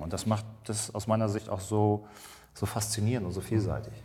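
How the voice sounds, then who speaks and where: Somewhat breathy, this man's voice sits at a fairly low pitch. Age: 50s. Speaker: marketing professor. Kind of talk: interview. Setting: on location at a university by the harbour.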